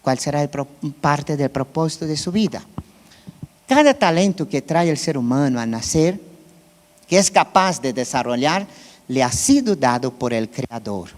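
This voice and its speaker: A man's voice: a little high, very animated, normal speed, long reverb tail. A Brazilian man who speaks Portuguese as his first language preaches in Spanish with a Brazilian Portuguese accent, keeping it conversational and checking in with his listeners. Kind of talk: sermon. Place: church.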